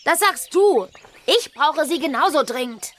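A high, animated teenage witch in a children's radio play. She sounds feisty and challenging, with faint ambience behind her. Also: measured pace, slight background noise. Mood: feisty, contrary. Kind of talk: children's audio drama acting.

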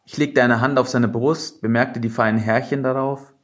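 A man narrating a novel in the first person, in a measured and expressive reading. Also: mid-range voice. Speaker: audiobook narrator.

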